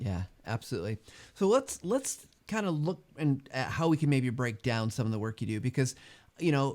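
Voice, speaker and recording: Speaking at a moderate pace with medium pitch, a man with a normal speaking voice uses lively intonation. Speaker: podcast host. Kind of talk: interview question.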